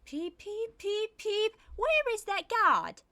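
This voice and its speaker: A woman voicing a small, eager and polite male engine from a children's storybook, earnest and excitable. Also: very high voice, slow pace, voice pushed up, full character voice. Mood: anxious.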